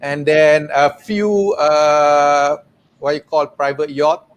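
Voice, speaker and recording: A man who lectures in cooking, talking casually and haltingly with many fillers. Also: on the high side, fairly even intonation, smooth. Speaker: culinary lecturer. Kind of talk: casual chat.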